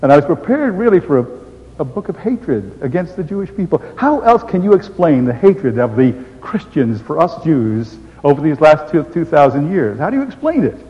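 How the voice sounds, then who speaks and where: Older guy telling his testimony story, acts out the voices, kinda high voice, long echo in a big hall. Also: normal speed. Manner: animated storyteller who acts out quoted voices. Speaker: speaker giving a testimony. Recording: dull sound with long hall reverb.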